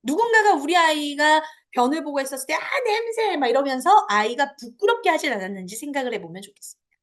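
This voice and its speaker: A woman's voice: sits high, sing-song, fast, a bit bright. A woman giving a parent education lecture, talking to parents and acting out little dialogues with children.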